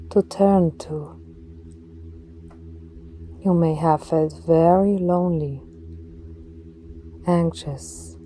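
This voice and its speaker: A woman leading a guided meditation in a slow, soft voice, some words dropping to a breathy whisper. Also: deep voice, slight background noise.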